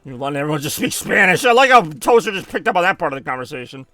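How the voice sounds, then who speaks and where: A man from the United States talks loosely over a video game, wandering off topic, correcting himself and grumbling when he dies in the game. His voice is bright and fairly high for a man. The sound is dry and close, with no room in it. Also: very animated, racing, no echo, faint music behind. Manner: rambling, self-correcting, reacts to game deaths. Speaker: streamer. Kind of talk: casual gameplay chat.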